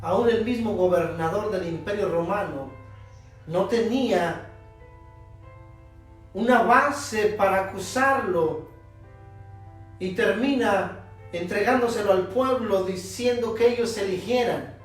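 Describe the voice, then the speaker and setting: Pastor, male, high-pitched and unhurried, emphatic sermon with long pauses, recorded far off in a very roomy church over soft music. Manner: emphatic preaching with drawn-out pauses. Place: church sanctuary. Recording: echoey church, distant mic, soft instrumental music.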